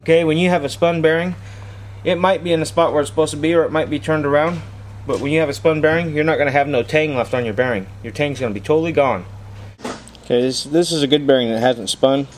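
A man's voice: fairly high pitch, fast talker. A man giving plainspoken, informal hands-on instructions as a mechanic in a garage workshop. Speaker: mechanic demonstrating an engine teardown. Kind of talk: hands-on how-to narration. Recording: clearly noisy garage recording with clicking.

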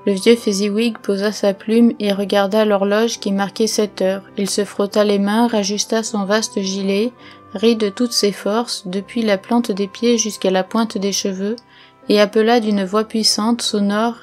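Woman reading a storybook in an even tone. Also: medium pitch, unhurried, faint music behind. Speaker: audiobook reader. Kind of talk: scripted narration.

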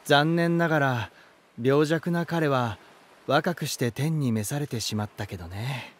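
A man's voice: mid-range voice, close to an everyday voice. An actor voicing a genial, elegant male lighthouse spirit in a voice drama, telling stories in a theatrical manner. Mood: wistful. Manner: smooth-mannered, theatrical, unhurried storytelling. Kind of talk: Japanese voice drama acting.

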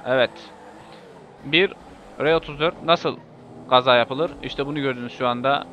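A man commentating a racing game in a casual, excitable way, swearing and yelling when he crashes. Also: medium pitch, normal speed. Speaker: gameplay video host. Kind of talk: live gameplay commentary. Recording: muffled lo-fi mic with faint hiss.

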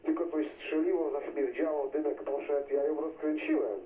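A man's voice: fairly high pitch, fairly even intonation, moderate pace. A Polish man chats casually over CB radio. His voice comes through a thin, band-limited signal, distant and echoey, as he talks like an operator on air. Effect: CB radio transmission. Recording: tinny, noisy CB radio signal, far and echoey.

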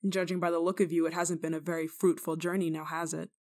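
A woman playing a kindly, rule-breaking nun in an ASMR roleplay, speaking to the listener in a gently teasing, caring manner. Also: on the low side, level tone, a little fast. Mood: amused teasing. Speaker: roleplay voice actor.

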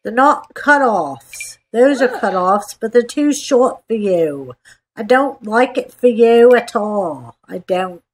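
A woman's voice: a little high, animated, slow pace, low-quality recording. A woman with a slightly congested nasal voice giving casual, playful gameplay commentary, chatting to herself and repeating phrases. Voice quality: stuffed-up, congested nasal sound. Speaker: gaming video host. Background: voice-over for a screen-recorded game.

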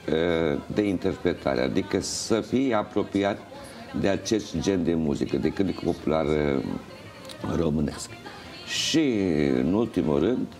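Music plays in the background as this older guest, around sixty, is interviewed in a TV studio about his work organizing and judging a folk festival. He sits low in pitch with a slightly mellow tone, explaining slowly and haltingly, often stopping partway through a phrase.

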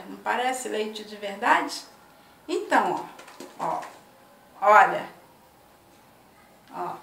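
A woman's voice: fairly high pitch, slight background noise. A woman in her fifties chatting to camera in her home kitchen, affectionate and talkative, often tagging her sentences with little check-ins to the viewer. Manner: chatty, affectionate, tags lines with "né" and "ó". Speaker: vlogger. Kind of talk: casual chat to camera. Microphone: laptop or webcam at arm's length. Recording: echoey tiled kitchen, mic at a distance.

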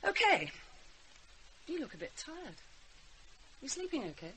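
Anxious prim mother, lively pitch. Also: measured pace, slight background noise, exaggerated voice. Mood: tense, polite. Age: middle-aged. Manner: brittle, polite, hesitant. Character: anxious, prim middle-aged mother, ex-schoolteacher manner. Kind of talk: radio drama acting.

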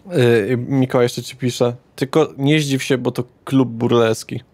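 A man's voice: medium pitch, steady tone, a little slow, darkish tone. A man narrating a tabletop roleplaying game as game master, describing scenes with small hesitations.

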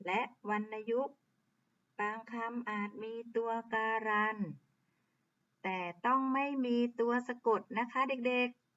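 A woman teacher giving a reading lesson to young children, sounding out syllables slowly and clearly. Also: fairly high pitch, fairly even intonation, a bit bright, muffled recording. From Thailand. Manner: slow, drawn-out sounding out of words.

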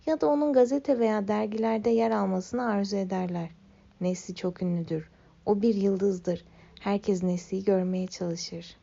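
A young woman tells a children's story in the first person, gentle and wistful. Her voice is mellow with a gravelly fry underneath. The recording has a slightly muffled, lo-fi sound. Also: medium pitch.

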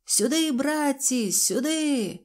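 A woman voicing a lively little boy conductor calling his friends up to the stage. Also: medium pitch, normal speed, close to an everyday voice. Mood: excited. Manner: excited calling out.

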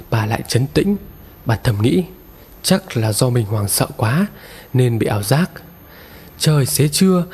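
A man narrating a scripted horror story in a measured storytelling manner. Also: mid-range voice, darkish tone, breathy edge. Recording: long reverb.

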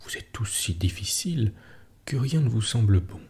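A man softly voicing a proud, mischievous little girl in a storybook reading. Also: on the low side, expressive, normal speed, husky, heavily acted. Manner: softly read, hushed.

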